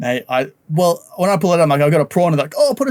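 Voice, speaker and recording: Talking at a very fast pace, a man with an Australian accent pitches his voice fairly high and swings it very widely. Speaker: magic show host. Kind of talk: casual chat. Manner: animated.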